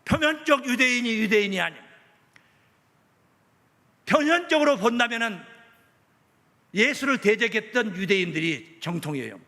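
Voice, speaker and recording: A man's voice: sits high, animated, moderate pace, pauses often, pushed and bright. Male pastor, emphatic sermon, rhetorical questions, echoey church hall. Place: church sanctuary.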